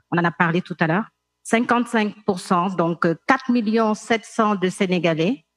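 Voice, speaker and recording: A woman with a Senegalese accent giving measured, explanatory remarks as a panelist in a discussion. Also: mid-range voice.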